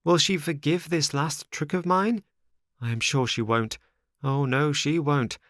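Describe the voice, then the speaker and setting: A man's voice: on the high side, steady tone, unhurried, fairly bright tone, no echo, clean studio sound, pitched above the performer's own voice. A man voicing an impatient young wooden puppet boy, pleading and dramatic, in a storybook reading. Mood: rueful. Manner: pleading, exclamatory.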